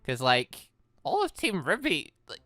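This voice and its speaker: A man doing rambling, exasperated let's play commentary on a visual novel, in an animated way. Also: a little high, measured pace, dry recording, studio quality. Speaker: gaming video host.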